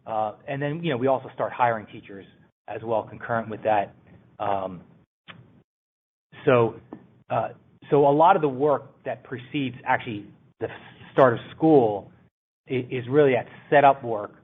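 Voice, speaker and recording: A man speaking as a company executive, answering questions on an earnings conference call in a halting way, pausing mid-phrase. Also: medium pitch, breathy edge. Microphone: telephone conference call. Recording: tinny narrow phone line.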